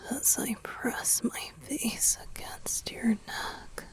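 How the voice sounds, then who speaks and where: A woman playing a lovestruck male vampire boyfriend in a romantic ASMR roleplay, whispering a slow, halting confession full of tormented longing. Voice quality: breathy whisper.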